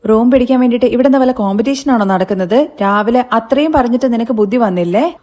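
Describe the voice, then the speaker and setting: A harsh, scornful mother-in-law, put on by a woman telling the story, scolding with slow, weighty words in a mellow, darkish voice pitched a little high. She berates without pause, each line a jab, in a spoken serial retelling. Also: natural voice.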